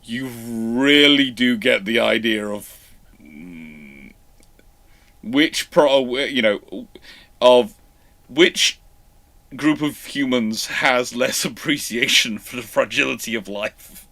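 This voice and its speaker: A man hosting a live question-and-answer session, answering off the cuff in a halting way, often restarting his sentences as he thinks aloud. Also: mid-range voice, gravelly, pushed and bright. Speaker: host of naval history live Q&A.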